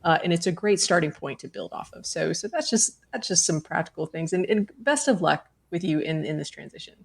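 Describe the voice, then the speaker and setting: Low, gravelly-voiced woman chaplain. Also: lively intonation, brisk. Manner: gentle, reflective, many fillers. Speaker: chaplain and author. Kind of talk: radio interview.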